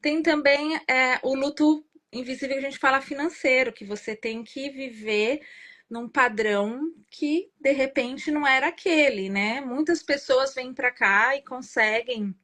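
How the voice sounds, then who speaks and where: Brazilian woman, higher voice, earnest. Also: unhurried, fairly bright tone. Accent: Brazilian Portuguese. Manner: earnest, explanatory, tags many phrases with "né?". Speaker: guest. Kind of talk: reflective interview conversation.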